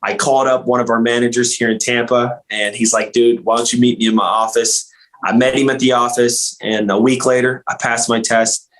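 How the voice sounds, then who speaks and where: A man's voice: medium pitch, steady tone, brisk, fairly bright tone, low-quality recording. Earnest young man telling his story. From Louisiana. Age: young adult. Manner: earnest, rambling, many fillers and restarts. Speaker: guest, insurance agent. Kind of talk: casual podcast interview.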